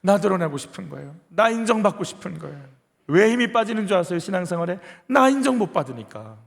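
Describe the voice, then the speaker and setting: A man's voice: high-pitched, sing-song, fast talker, vocal fry. A male senior pastor preaching a sermon, earnestly leading his congregation through rhetorical questions. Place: church sanctuary. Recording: reverberant church hall.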